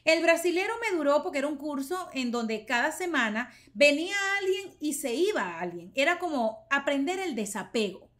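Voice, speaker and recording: A woman in her forties hosting a podcast, telling stories in a casual, animated way with lots of laughter, recorded on a studio microphone. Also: high voice, normal speed, hardly any pauses. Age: 40s. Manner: animated, laughing, gesturing with both hands. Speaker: podcast host. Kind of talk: casual storytelling monologue. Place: small studio with purple backdrop. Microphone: studio microphone with headphones.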